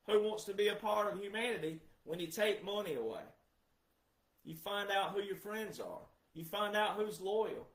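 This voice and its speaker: Male commentator, high register, roomy echo; emphatic, repeats key words for stress. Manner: emphatic, asks rhetorical questions then answers them. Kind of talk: monologue commentary.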